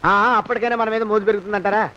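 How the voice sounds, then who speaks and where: A put-upon clerk in an old film, grumbling sarcastically at his boss. The voice is very high and quick. The soundtrack is dull, with a faint hiss. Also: flat delivery, sharp tone.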